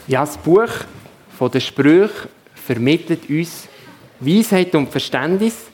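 A man, preaching a sermon in a gentle, conversational way. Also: on the high side, lively intonation, takes it slowly, slight background noise. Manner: gentle, conversational, addresses children. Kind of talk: sermon with storytelling.

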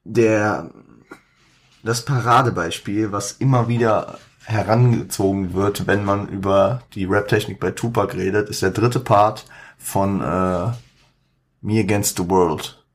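A man hosts a podcast with a slightly low voice, in casual commentary. He talks haltingly, with fillers and self-corrections, and mixes in English slang. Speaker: podcast host.

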